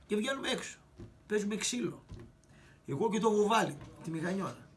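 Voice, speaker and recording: An older man tells a personal story in a coarse, swearing rant, his fairly high voice jumping into loud bursts as he acts out the quarrels. A faint hiss sits behind him. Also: expressive. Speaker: show host telling a personal story. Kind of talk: angry storytelling monologue.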